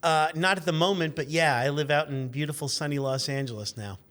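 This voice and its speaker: A man in his fifties with a somewhat high voice talks as a relaxed interview guest. He tells personal anecdotes in a conversational way, slipping in dry, self-mocking jokes. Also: fairly quick. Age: 50s. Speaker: interview guest, car journalist. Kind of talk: casual anecdotal chat.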